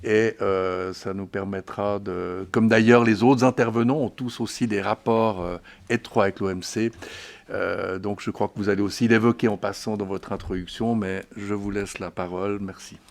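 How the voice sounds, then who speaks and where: Male moderator, lower voice, polite formal introductions with small hesitations. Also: fairly even intonation, gravelly. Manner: polite, formal, slightly halting. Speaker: debate moderator.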